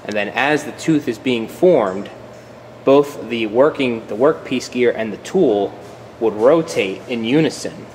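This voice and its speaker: In a machine shop at an outdoor engine show, an American channel host gives a laid-back vlog tour. His mid-range voice is a little mellow and unhurried, with a big-room sound and some hiss or hum, and he trips over words, repeating them as he thinks.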